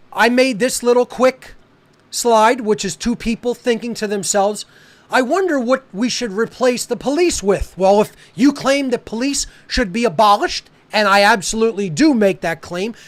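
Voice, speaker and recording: Male podcast host, solo monologue; emphatic, accusatory, drawn-out stresses. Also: high-pitched. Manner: emphatic, denouncing, slows to stress words.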